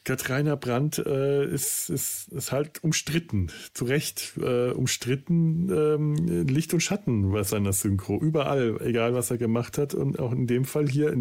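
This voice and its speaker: A man's voice: mid-range voice, vocal fry, mellow. A man co-hosting a podcast, talking thoughtfully and hesitantly with many fillers and restarts. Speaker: podcast co-host. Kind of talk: casual podcast chat.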